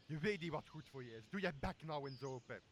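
A young man plays a tipsy, bossy castaway in a radio play. His voice is high for a man and blusters coarsely, with clear outdoor nature sounds behind it. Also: expressive, brisk, noisy background, close to an everyday voice. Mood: startled, blustering. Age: young adult. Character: boozy, blustering male castaway, greedy and bossy.

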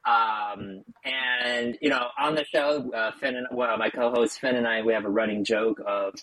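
A man's voice: medium pitch, fairly even intonation, unhurried, pushed and bright, no room sound, rough recording. An American man hosting a podcast, chatting casually with lots of fillers and small talk. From United States. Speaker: podcast host. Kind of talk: casual interview chat. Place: Chicago.

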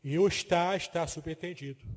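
A man's voice: fairly high pitch, fairly even intonation, a little fast, darkish tone. Didactic man in a hall. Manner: didactic, explains terms step by step, asks the listener to confirm. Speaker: Bible teacher. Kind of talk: biblical teaching lecture with slides.

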